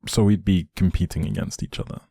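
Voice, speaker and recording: A man playing a doting, playfully teasing young boyfriend in an intimate one-sided roleplay, speaking affectionately with a soft, husky voice. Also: fast, no room sound, clean studio sound. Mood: amused, curious. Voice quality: low, soft, husky, creaky.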